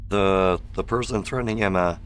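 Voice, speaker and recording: A man's voice: low-pitched, moderate pace, a little hiss or hum. A man streaming a game with wry, mocking commentary, his voice worn from sickness and long hours of talking. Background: game audio and music.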